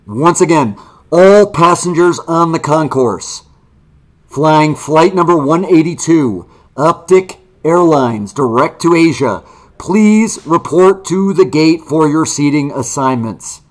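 A man's voice: on the high side, expressive, slow. A man putting on the voice of an airport announcer making formal boarding calls over the intercom. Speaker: host running a trading card break.

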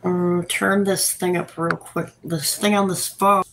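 A woman's voice: fairly low pitch, little pitch movement, a little slow, a bit bright, a little hiss or hum, low-quality recording. A woman in her thirties on a rambling live stream from a cluttered hotel room, sassy and defensive as she talks to her chat. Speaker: livestreaming vlogger. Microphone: phone camera close up.

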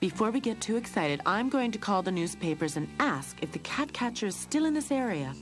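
Storybook lady cat owner, played by a woman: kindly, earnest, raised pitch. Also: big pitch swings, brisk, music in the background, close to an everyday voice. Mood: worried.

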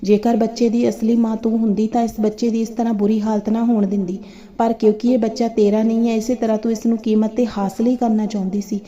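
A woman's voice: fairly high pitch, flat delivery, fast talker, warm tone, natural voice. A stern wise holy man, as a woman reads him. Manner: stern, lecturing. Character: calm wise male holy man judging a dispute. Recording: dull lo-fi recording.

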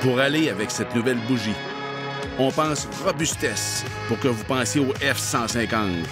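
A man's voice: medium pitch, normal speed, music in the background. A middle-aged man working as a voice actor, reading scripted narration.

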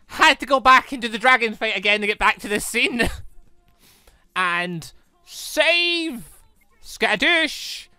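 Lively young woman gamer. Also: sits high, no echo, studio quality. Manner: chatty, animated, reads character lines in her own voice. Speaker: let's play streamer. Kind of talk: reading a visual novel aloud and reacting.

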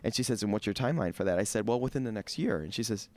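A man in his thirties speaks quickly and eagerly into a desk microphone, his voice sitting low. He talks in an animated, casual way, acting out what other people said to him. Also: no echo. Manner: animated, gestures a lot, quotes others in raised voice. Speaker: salon company education leader. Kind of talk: casual interview. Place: hotel meeting room at a trade show. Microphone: desk mic on stand.

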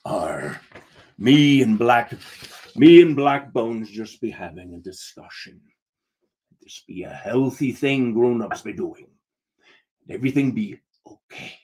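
A man voicing a calm, preachy pirate mate who talks in pirate dialect and therapy-speak in a told story. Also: mid-range voice, slow, long pauses, pitched below the performer's own voice, low-quality recording. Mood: hushed, placating. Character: Rotten Pete, calm, preachy male pirate first mate with a hook.

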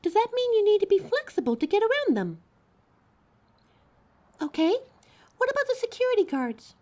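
A woman's voice: very high-pitched, very animated, normal speed, mellow. A woman playing a flustered, defensive young thief with electric powers in an audio drama, chatty and indignant. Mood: scheming, defensive. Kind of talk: scripted audio drama, one side of a phone call. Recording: clear background noise, coffee house ambience.

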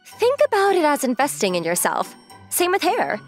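Woman doing bossy confident girlfriend in romcom manga dub, blunt, highish voice, very animated. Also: moderate pace. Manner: blunt, assertive. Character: bossy, confident, secretly lovestruck young woman. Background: music.

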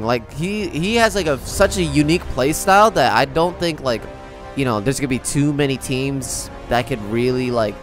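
A man speaking as a gaming YouTuber, giving casual, slangy, conversational reaction commentary and sometimes reading aloud. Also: medium pitch.

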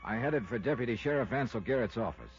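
An American man playing a tough, sardonic but soft-hearted investigator in a 1950s radio drama, with clipped, wry delivery. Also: mid-range voice, animated, fast talker, faint music behind, natural voice. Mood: brisk narrating. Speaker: lead actor and narrator. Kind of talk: 1950s radio detective acting. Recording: dull, muffled vintage radio recording.

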